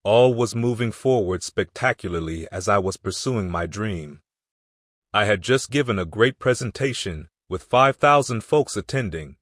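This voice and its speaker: Low-voiced man reading a motivational audiobook. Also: expressive, moderate pace, a bit bright, no echo, clean studio sound. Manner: earnest, emphatic motivational delivery. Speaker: audiobook narrator.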